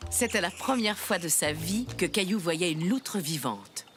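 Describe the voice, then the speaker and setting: Lively kindly storyteller. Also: female voice, fairly low pitch, unhurried, over loud music. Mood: warm storytelling. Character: kindly storyteller woman reading to children. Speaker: narrator. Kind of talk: scripted children's story narration.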